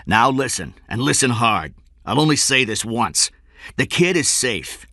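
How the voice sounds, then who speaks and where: Narrator doing a hard commanding kidnapper guy in an audiobook, menacing, pitched up, dry. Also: very animated, measured pace, sharp tone, no room sound, exaggerated voice. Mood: cold threatening. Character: menacing male kidnapper on the telephone.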